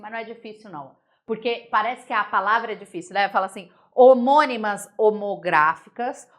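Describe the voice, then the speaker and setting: A young woman with a Brazilian Portuguese accent teaching a casual exam-prep grammar lesson, chatty and animated, often checking that her students follow. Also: on the high side.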